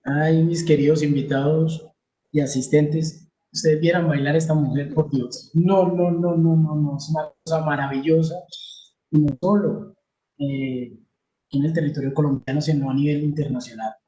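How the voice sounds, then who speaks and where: Male moderator, effusive and emphatic, mellow slightly high voice, echoey room sound. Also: steady tone, moderate pace, dull audio. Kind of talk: moderating a panel.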